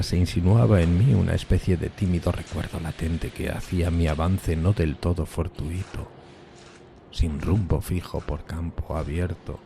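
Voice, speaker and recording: A man acting a deep, dark-voiced solemn gothic outcast. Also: slight background noise. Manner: solemn, theatrical, ornate literary delivery. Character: solitary tormented outcast narrating his gothic horror escape. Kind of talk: dramatic first-person gothic horror audiobook narration.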